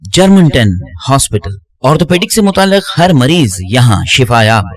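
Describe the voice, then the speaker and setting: A man's voice: medium pitch, big pitch swings, normal speed. A man reading a scripted promotional announcement as an advertising voice-over, in a formal Urdu register.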